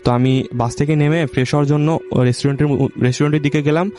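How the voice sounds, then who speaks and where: A man's voice: a little high, steady tone, warm tone. A young man from Bangladesh telling a true ghost story in casual speech, stumbling and restarting often. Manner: halting, with many restarts and self-corrections.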